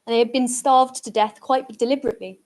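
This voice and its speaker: A woman with a fairly high-pitched voice gives a reflective public talk. She sounds earnest and repeats phrases for emphasis as she addresses her listeners. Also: fairly even intonation, fast, darkish tone. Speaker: speaker at a commemorative event.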